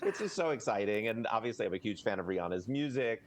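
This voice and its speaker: A man chatting casually as an interview guest on a video call, in an animated, self-effacing way. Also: on the low side, quick pace, slight background noise. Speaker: guest, voice actor.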